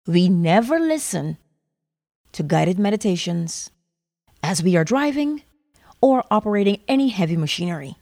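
A woman softly narrating a guided meditation in a soothing manner, with gravelly fry and breathy phrase endings that trail toward a whisper. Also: fairly low pitch. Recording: long reverb on the voice.

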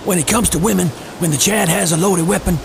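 A man playing a brash, crude, hot-headed macho survivor in a dark comedy audio drama, cocky and slangy, with music behind. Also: high voice, fast, vocal fry, heavy background noise. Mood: defiant, boastful. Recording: loud music under the voice.

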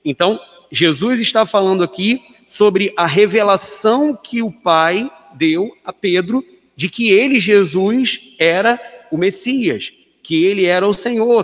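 A Brazilian man explaining a Bible passage in a measured teaching tone. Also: high voice, big-room sound. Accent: Brazilian Portuguese. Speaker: Bible study panelist.

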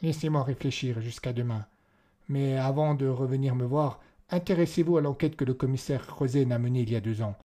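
Un homme qui joue un jeune homme évasif et suppliant, voix sombre. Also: male voice, medium pitch, fairly quick, mellow, voice pushed up, close to an everyday voice. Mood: resigned. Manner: tense, hesitant, pleading. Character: haunted young man, evasive wolf witness.

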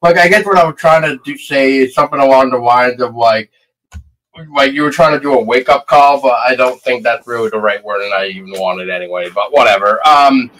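Male interview host, casual and hesitant, average pitch, fillers throughout. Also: brisk, fairly bright tone, low-quality recording. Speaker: podcast host.

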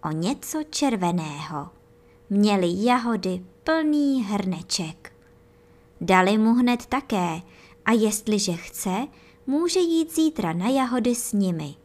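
A woman reading a children's bedtime story aloud, gently and with lively storytelling, speaking straight to the young listeners. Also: medium pitch.

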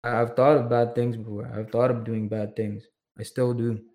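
A young man from Sri Lanka talking in a casual chat, halting and repeating words, with an intense edge. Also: medium pitch, flat delivery, warm tone.

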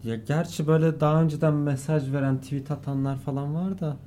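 A man's voice: a little high, brisk, dark tone. A man co-hosting a casual podcast chat who mostly gives short reactions and brief comments. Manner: short reactive replies and laughter. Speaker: podcast co-host.

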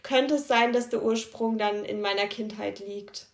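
A woman's voice: mid-range voice, steady tone, normal speed, gravelly. A woman hosting a podcast, introducing and questioning a guest in an attentive, friendly manner. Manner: friendly, attentive, frequent backchannels. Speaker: podcast host. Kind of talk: podcast interview. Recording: roomy, echoey sound.

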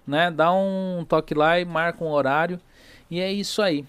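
A man hosts a podcast from a small studio, talking in a fairly high voice. The sound is dry and close, with no room around it. He keeps the chat loose and joking, and he checks in with the listener all the time. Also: steady tone, moderate pace, a bit bright, clean tone, no echo. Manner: chatty, jokey, fills with "né?" and "tá entendendo?". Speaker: podcast host. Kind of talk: casual podcast chat with sponsor reads.

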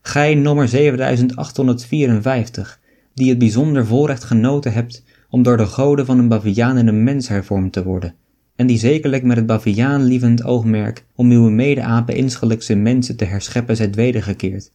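A man's voice: mid-range voice, normal speed, mellow, close to an everyday voice. A man reading an audiobook, voicing a stately male baboon who delivers a formal, ceremonious address.

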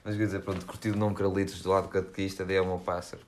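A young man with a European Portuguese accent co-hosts a casual podcast, telling rambling stories packed with slang and fillers. His voice is low-pitched with little pitch movement and a rapid-fire delivery, with crowd noise in the background.

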